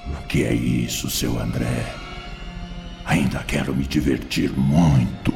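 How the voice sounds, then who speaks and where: An actor playing a mocking, vindictive male spirit in a radio drama, with a gravelly, sarcastic, theatrical delivery. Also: a bass voice, fairly even intonation, takes it slowly, full character voice. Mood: mocking, defiant. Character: mocking, vindictive male spirit, former obsessor, sneering and defiant. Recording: music bed behind the voice.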